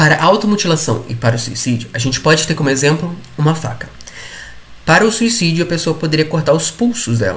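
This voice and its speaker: Over noticeable background noise and audible room echo, a man talks at a very fast pace in an animated tone, his fairly high pitch moving with lively intonation. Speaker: law professor. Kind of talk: lecture. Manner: casual, animated.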